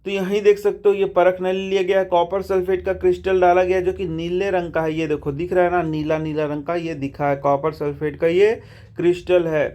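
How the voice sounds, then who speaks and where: Fairly quick and flat, a man with a high-sitting, dark-toned voice teaches science line by line from the textbook. He keeps things chatty, calls his students brother ("bhai"), and asks questions only to answer them himself.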